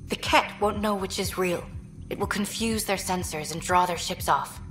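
A woman's voice: fairly low pitch, moderate pace, fairly bright tone, faint music behind, lightly acted. An actress playing an earnest, focused female starship science officer in a video game.

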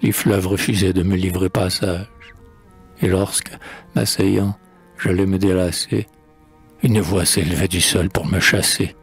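A man's voice: low voice, steady tone, a little slow, vocal fry, husky, faint music behind, full character voice. A man reading the part of a grieving, guilt-stricken hero in a solemn, lamenting recitation. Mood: haunted.

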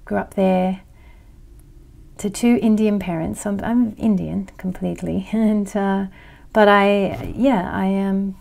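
An astrology channel host in her thirties chats casually to camera from her living room, wearing a clip-on lapel mic. Her Australian accent carries traces of American and English, and her medium-pitched voice is steady, slow, gravelly and a little mellow.

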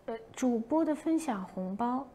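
Lively young woman telling a story. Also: on the high side, moderate pace, a little hiss or hum. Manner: animated, acts out her own past shouts. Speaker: livestream host. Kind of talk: casual livestream storytelling.

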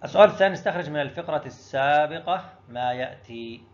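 A man's voice: a little high, lively intonation, fast talker, muffled recording. A male teacher going through an exam review lesson, explaining each answer step by step and asking himself questions before answering them. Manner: addresses students directly.

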